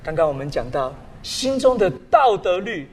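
A male pastor preaching a sermon with a high, bright-pitched voice that leaps up and down as he fires off rhetorical questions. His delivery is animated and expressive. A long reverb trails behind each phrase. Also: moderate pace.

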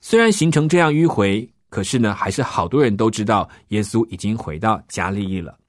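Lively-voiced man telling a children's story. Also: on the low side, fairly quick, no echo, studio quality. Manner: gentle explaining with soft sentence-end particles. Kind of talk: scripted children's Bible story narration.

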